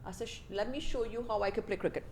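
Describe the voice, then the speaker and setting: A woman's voice: medium pitch, quick pace, heavy background noise. A middle-aged woman with a Trinidadian accent, telling her life story in a casual podcast interview, chatty, with frequent laughs and restarts. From Trinidad and Tobago. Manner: chatty, laughs often, many fillers and restarts. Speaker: podcast guest.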